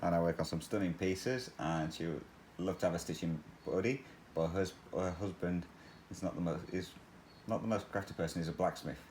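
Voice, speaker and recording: A man's voice: low-pitched, fairly quick, few pauses, darkish tone, a little hiss or hum, rough recording. A man hosting a cross-stitch channel, chatting casually and rambling while he stitches, often laughing.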